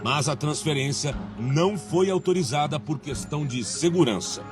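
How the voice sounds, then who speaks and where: A Brazilian man reports the news in a measured, emphatic voice that rides up and down a lot and sits a little high for a man. Faint music plays underneath him. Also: lively intonation. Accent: Brazilian Portuguese. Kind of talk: scripted news narration and street interviews.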